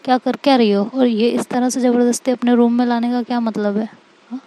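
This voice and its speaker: A woman voicing an angry, proud young woman who scolds in sharp, rapid retorts. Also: fairly high pitch, flat delivery, natural voice. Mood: indignant.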